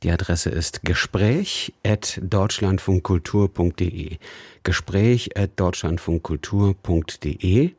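Low, dark-voiced male radio host. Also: dry recording. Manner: measured, clear announcing with occasional fillers. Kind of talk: radio call-in talk show. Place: radio studio. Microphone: studio microphone.

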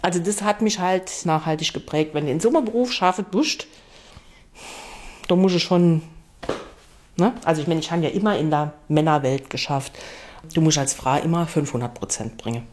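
A woman's voice: low voice, normal speed, a little mellow. A woman in her fifties with a Saarland dialect, talking casually and bluntly about her own life as an interviewee. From Saarland, Germany. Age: 50s. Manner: chatty, blunt, dialect-coloured speech. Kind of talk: casual personal account.

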